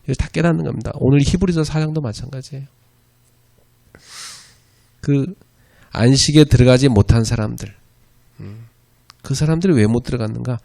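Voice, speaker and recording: A man's voice: mid-range voice, creaky, mellow. A man preaching a sermon lecture at a church, speaking conversationally and often checking in with the audience. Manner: conversational, frequent "예" and "그죠?" asides to the audience. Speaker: pastor teaching an evangelism school.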